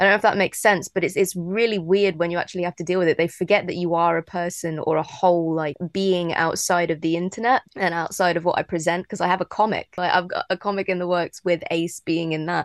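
A woman's fairly low voice at a very fast pace with hardly any pauses, fairly even intonation, and a dry, close sound with no echo over a quiet background. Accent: London. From London. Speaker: musician and writer. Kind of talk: casual interview.

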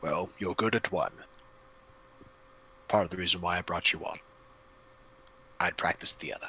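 A man's put-on character voice, fairly low in pitch, with long, frequent pauses and clear background noise. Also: moderate pace. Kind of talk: formal lecturing. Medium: actual play. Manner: dry, condescending, measured, weary.

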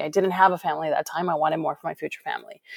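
A woman's fairly low-pitched voice. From Venezuela, Caracas. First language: Spanish. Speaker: tech sales enablement manager. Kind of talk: interview. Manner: animated.

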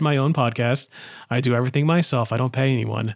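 A man speaks at a medium pitch with ordinary pitch variation, an unremarkable speaking voice. The recording is very clean, with a silent background. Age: 30s. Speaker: video game podcast host. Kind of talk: solo podcast monologue, partly scripted. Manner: relaxed, casual.

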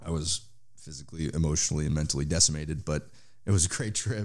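A man with a West Coast accent, very deep and low in pitch, dark and mellow in tone, at a fairly quick pace with ordinary pitch variation. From US, San Francisco Bay Area. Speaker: venture capital investor. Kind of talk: casual interview.

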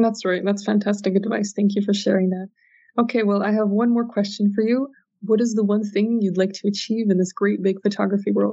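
A somewhat breathy woman talks at a fairly quick pace, monotone and flat, with very even loudness. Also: medium pitch for a woman. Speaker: podcast host. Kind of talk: interview with scripted ad reads.

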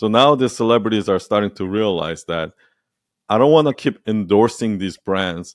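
This man has an unremarkable speaking voice with a fairly low pitch. He talks at a moderate pace with ordinary pitch variation. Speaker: podcast host and marketing coach. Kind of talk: coaching conversation.

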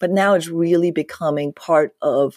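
In a Danish accent, a woman speaks at a moderate pace with a very deep, low pitch and fairly even intonation, recorded very cleanly against a silent background with a dry, close sound and no echo. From Denmark. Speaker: keynote speaker and author. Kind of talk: interview.

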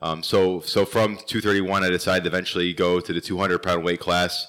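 Bright and sharp in tone, a man with a very deep, low pitch speaks at a fairly quick pace in a flat monotone, on a very clean recording with a silent background. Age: 30s. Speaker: lawyer and amateur strongman competitor. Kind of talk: casual interview chat. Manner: halting, many repetitions.

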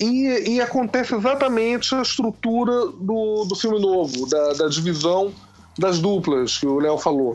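Speaking at a fairly slow pace, a high-pitched man makes very wide pitch swings while keeping his loudness very even. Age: 40s. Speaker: filmmaker. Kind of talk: casual chat.

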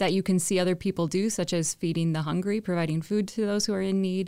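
A woman uses a normal speaking voice at medium pitch with fairly even intonation, recorded very cleanly against a silent background. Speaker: refugee services outreach lead. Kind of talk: radio interview. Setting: studio.

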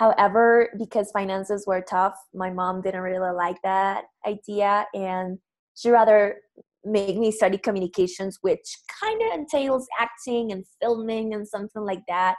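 At a fairly slow pace, a woman talks at medium pitch with fairly even intonation. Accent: Peruvian. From Peru. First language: Spanish. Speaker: health coach. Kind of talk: interview.

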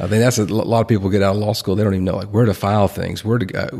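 Speaking with a Tennessee accent, a man with a fairly low pitch keeps his intonation fairly even. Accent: Southern US (Tennessee). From US South, Tennessee (Bledsoe County). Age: 30s. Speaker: judge. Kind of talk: interview. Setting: in-person interview.

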